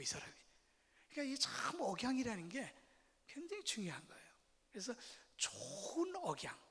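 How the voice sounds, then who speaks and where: Lively middle-aged man lecturing in church. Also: extremely high pitch. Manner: lively, acts out quoted lines with exaggerated intonation. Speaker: guest lecturer, professor. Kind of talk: church lecture on family life. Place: church sanctuary. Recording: reverberant church hall.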